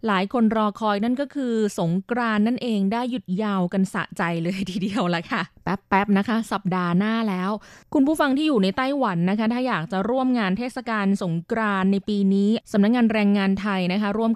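A woman's voice: mid-range voice, fairly quick, few pauses, no room sound. Woman radio host, polite, explanatory, studio mic, dry sound. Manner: polite, explains at length, often softens sentences with polite particles. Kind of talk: scripted radio magazine narration.

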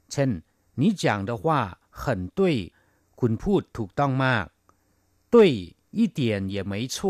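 A man teaches vocabulary on a radio program. His voice is mid-pitched and dry, as if recorded close to the mic in a dead studio. He reads each example phrase with a lift, then explains it. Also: a bit bright, dry recording. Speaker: Chinese language radio teacher. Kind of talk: radio language lesson.

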